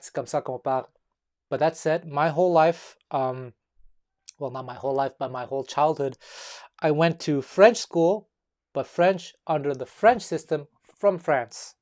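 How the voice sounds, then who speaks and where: A man's voice: a little high, darkish tone. Careful-spoken man from Montreal. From Montreal, Quebec, Canada. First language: Taiwanese. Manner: measured, careful with his words, with frequent um and uh. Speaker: guitar teacher and musician. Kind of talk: talking-to-camera video essay.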